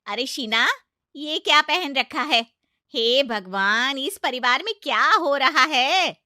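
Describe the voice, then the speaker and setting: A woman voicing a loud, sharp-tongued middle-aged aunt-in-law who taunts and scolds. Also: high voice, very animated, measured pace, dry recording, studio quality, voice pushed up, full character voice. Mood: scolding.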